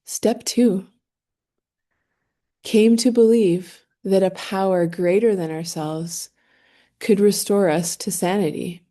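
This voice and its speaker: A woman leading a guided meditation, speaking gently and soothingly in short phrases with long, unhurried pauses. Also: mid-range voice, fairly even intonation.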